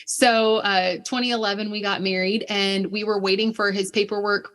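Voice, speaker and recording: A woman's voice: mid-range voice, flat delivery, normal speed, a bit bright. A woman in her thirties from Alabama, a missionary guest telling her family's story in earnest, detailed conversation. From Alabama, USA.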